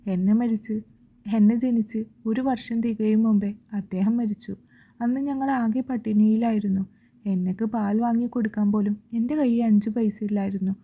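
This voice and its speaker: A woman voicing a weary, tender older mother who speaks softly and slowly, on a dull lo-fi recording. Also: medium pitch, lightly acted.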